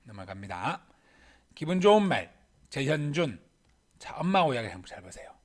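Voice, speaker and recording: A man's voice: mid-range voice, sing-song, normal speed. A middle-aged man teaching, reading students' poems aloud and commenting on each with frequent rhetorical questions.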